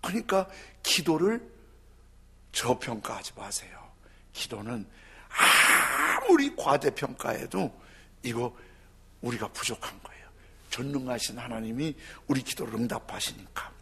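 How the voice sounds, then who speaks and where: Male pastor, sermon, lively swooping pitch, gravelly fry, dramatic loud-to-whisper delivery. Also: a little slow. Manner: dramatic preaching, swinging from loud cries to near-whispers.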